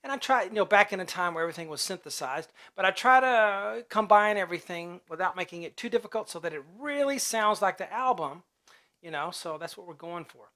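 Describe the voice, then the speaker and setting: A man with a high voice teaching a piano piece step by step, chatting casually as he calls out note names and hums the riffs. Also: animated, fairly quick. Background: loud piano playing.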